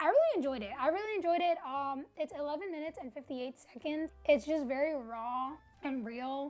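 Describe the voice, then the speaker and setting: A woman speaks with a non-native accent and a high pitch that varies in an ordinary way. Noticeable background noise can be heard. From Ghana. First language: not English. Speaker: YouTuber. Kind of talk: casual vlog. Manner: fast; pauses to find words.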